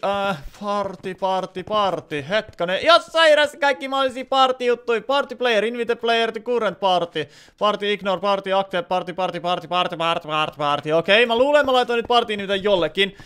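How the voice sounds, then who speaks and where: Smooth-voiced man streaming a game. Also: sits high, fairly bright tone. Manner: rambling, many filler words. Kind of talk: live gameplay stream, chatting with viewers.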